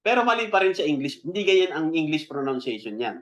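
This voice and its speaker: A Filipino-accented man preaching a teaching sermon, chatty and checking in with the congregation, slowing down to stress key words. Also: fairly high pitch, big pitch swings. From Philippines. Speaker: pastor.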